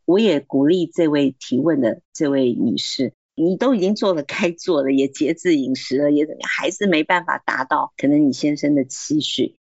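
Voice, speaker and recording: A woman's voice: low voice, normal speed, few pauses, darkish tone, no echo, highs cut off. A woman giving earnest, encouraging Christian advice on marriage and self-control, acting out quoted remarks. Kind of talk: faith-based advice talk.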